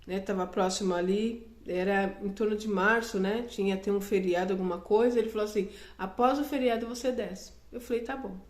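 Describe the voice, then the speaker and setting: A woman's voice: mid-range voice, steady tone, fairly quick, few pauses, echoey room. A woman giving a personal Christian testimony, telling the story earnestly and acting out the dialogue.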